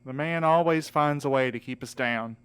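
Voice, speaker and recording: Earnest male courier played by an actor, resonant and clear, casual and coaxing, for a fiction podcast. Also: medium pitch, normal speed, a bit bright, natural voice. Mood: encouraging. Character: easygoing, encouraging male courier, earnest and folksy. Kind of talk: scripted audio drama acting.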